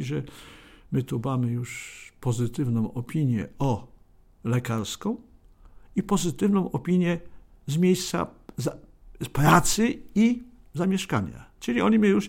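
Older man with a gravelly voice. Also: on the high side, lively intonation, normal speed. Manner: rambling, tags sentences with a questioning aside, acts out dialogue. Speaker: interviewee recounting his life. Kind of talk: oral history storytelling.

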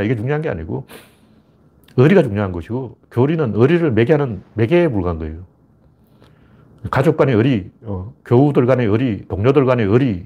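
Heated husky man ranting fast. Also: mid-range voice, dark tone. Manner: heated, emphatic, acts out taunting questions. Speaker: political commentator. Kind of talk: political monologue.

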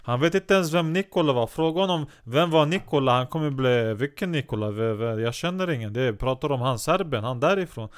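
A man hosting a comedy podcast, rambling and halting with many restarts. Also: medium pitch, lively intonation, clear, resonant tone. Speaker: host.

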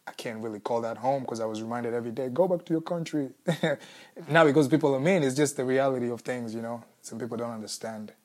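A young man from Congo with a Kenyan accent, a musician answering interview questions in a thoughtful, searching way with restarts and soft laughs. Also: medium pitch, fairly even intonation, fast. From Congo, raised in Kenya. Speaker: musician, former refugee.

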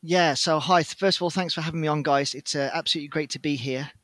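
British guy guesting on a podcast, a bit high voiced, talks it through carefully, dry sound. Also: steady tone, fairly bright tone, dry recording. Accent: British English. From United Kingdom. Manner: articulate, measured explanations with frequent fillers. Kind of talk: casual podcast interview.

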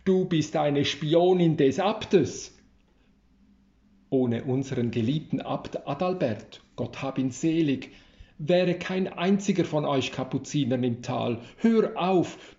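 A man reading the lines of a brisk, motherly old housekeeper woman in a storybook reading, in a roomy, slightly dull recording. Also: a little high, animated, mellow. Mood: scolding.

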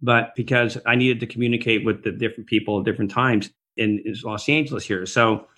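A man's voice: lowish voice, steady tone, a little fast, a bit bright. A middle-aged man as an interview guest, talking in a rambling, reflective way with frequent restarts. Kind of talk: conversational podcast interview. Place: Los Angeles area.

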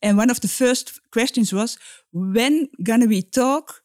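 A middle-aged woman, a guest expert on a podcast, speaking English in halting phrases that often restart. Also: on the high side, a little mellow, dry recording, clean studio sound. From Netherlands. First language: Dutch. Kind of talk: podcast interview.

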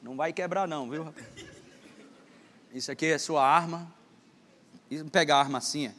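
A man's voice: on the high side, moderate pace, a bit bright. A man preaching to a congregation, joking and teasing a volunteer as he acts out a lesson on stage. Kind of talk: playful sermon with a stage demonstration. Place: church hall with a congregation. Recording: long hall reverb, faint background noise.

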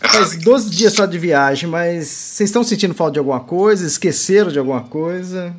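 A man's voice: sits high, lively intonation, fairly quick, noisy background. A man interviewing travellers, friendly, often prompting with tag questions.

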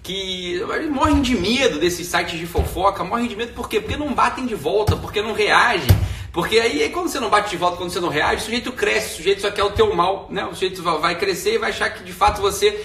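A man's voice: high-pitched, fast, sharp tone, recorded from a distance, soft background music. A man with a Brazilian Portuguese accent hosting a live stream from home, rambling in slang and tagging his sentences with "né". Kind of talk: casual live stream monologue. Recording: echoey room, voice off mic.

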